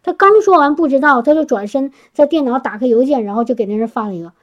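High-voiced woman giving a church testimony. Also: quick pace, highs cut off. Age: adult working professional. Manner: earnest, chatty, frequent tag particles and restarts. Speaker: church speaker sharing a testimony. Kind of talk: sermon testimony to a congregation.

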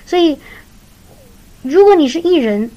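A woman's voice: high-pitched, animated, measured pace, highs cut off. A woman preaching, telling a faith story in an earnest way and often repeating words as she goes. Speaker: preacher sharing a testimony. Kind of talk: sermon-style storytelling.

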